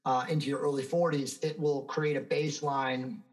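A man's voice: mid-range voice, flat delivery, normal speed, poor audio. A man in his fifties, a fitness expert guest answering interview questions in an emphatic, self-assured, lecturing way. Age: 50s.

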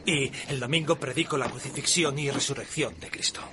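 An actor in a dubbed TV drama playing an earnest frontier preacher who stammers now and then. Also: male voice, mid-range voice, brisk, background noise, close to an everyday voice.

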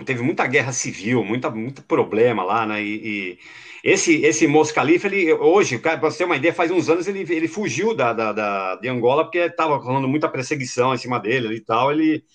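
A man's voice: medium pitch, lively intonation, moderate pace. A man from Brazil, hosting a podcast in a rambling, casual way full of fillers and slang. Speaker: podcast host.

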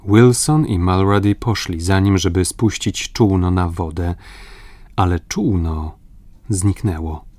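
A man reading a classic adventure novel aloud in a measured, literary way. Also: sits low, warm tone, dry recording. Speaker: audiobook narrator. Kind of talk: scripted narration.

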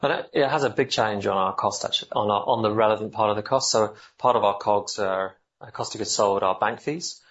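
A man answering questions as a company executive on an earnings call, explaining in halting, self-correcting phrases. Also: on the low side, a little hiss or hum. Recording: dull, band-limited call audio.

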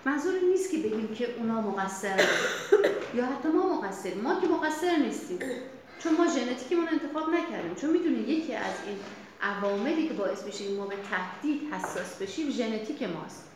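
A woman psychologist leading a workshop, explaining in a lively, chatty way to the audience. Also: a little high, background noise. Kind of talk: workshop lecture. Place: workshop room. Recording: very echoey room.

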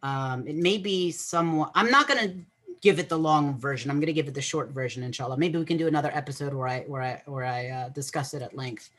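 Man, husky voice, earnest podcast guest, explains patiently, repeats himself mid-thought. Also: mid-range voice, quick pace, a bit bright. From Egyptian family, raised English-speaking. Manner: earnest, explanatory, repeats words while thinking. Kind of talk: podcast interview.

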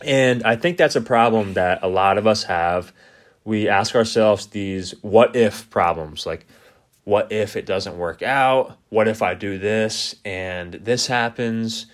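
A man's voice: lowish voice, slow. Reflective young man, many "you know"s. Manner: reflective, faith-minded, fills with "you know". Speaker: podcast co-host. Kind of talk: casual chat.

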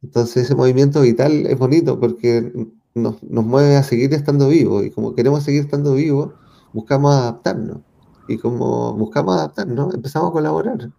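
A Chilean man answers interview questions in a reflective, searching way, circling back and restarting his sentences as he thinks. His voice is mellow and dark, with a gravelly rasp underneath. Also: medium pitch, a little fast. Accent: Chilean Spanish. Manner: thoughtful, searching for words, frequent restarts and fillers. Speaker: interview guest.

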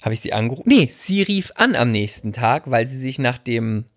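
A man's voice: mid-range voice, sing-song, normal speed, no room sound, studio quality. A man from the Palatinate, co-hosting a podcast, who tells stories animatedly and dramatically with self-mocking humor. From Palatinate, Germany. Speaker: podcast co-host. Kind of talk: casual chat.

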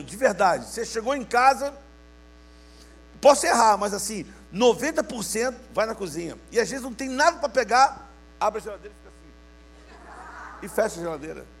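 A man's voice: high-pitched, gravelly. A man, giving a playful sermon to young people and calling out to his listeners for answers. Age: 50s. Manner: playful, calls out to listeners for responses. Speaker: youth preacher.

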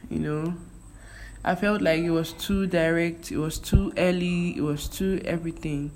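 A young Nigerian vlogger, Igbo by first language and Nigerian-accented, talks casually with many fillers and restarts. Her voice is fairly low-pitched and a little mellow, with fairly even intonation and a moderate pace. The recording is low-quality, with faint background noise.

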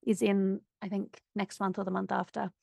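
A woman's voice: medium pitch, flat delivery, normal speed, gravelly, darkish tone, husky, no echo, clean studio sound. A woman, co-hosting a podcast in an upbeat, jokey way full of fillers. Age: 30s. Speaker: podcast co-host. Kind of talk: casual chat.

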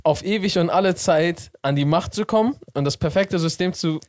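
A man's voice: sits high, normal speed, darkish tone, no echo, clean studio sound. A young man co-hosting a casual chat, playful and laughing often as he tries out silly intonations. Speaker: podcast co-host.

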